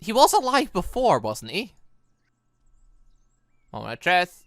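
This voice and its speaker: A man's voice: high voice, wildly swooping pitch, a little slow, fairly bright tone, no echo, clean studio sound. A man giving casual, rambling, exclamatory let's play commentary as a gaming host.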